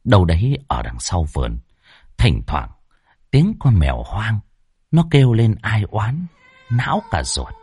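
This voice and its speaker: Low-voiced, lively male ghost storyteller. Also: measured pace, slightly rough, no echo, clean studio sound.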